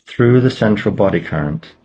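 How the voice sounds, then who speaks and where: A man leading a guided meditation, giving slow, measured instructions with pauses between phrases. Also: lowish voice, lively intonation, highs cut off, a little hiss or hum.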